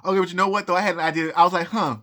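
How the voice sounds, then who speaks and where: Bright-voiced man rambling, halting speech. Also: high voice, level tone. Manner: halting, repeats words, frequent pauses and nervous laughs. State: out of breath. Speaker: vlogger. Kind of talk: rambling personal story to camera. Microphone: phone recording.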